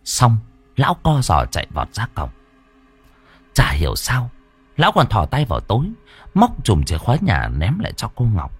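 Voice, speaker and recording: A man's voice: huge pitch swings, normal speed, slightly rough, faint music behind. A man narrating a ghost story dramatically. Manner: dramatic, swinging pitch.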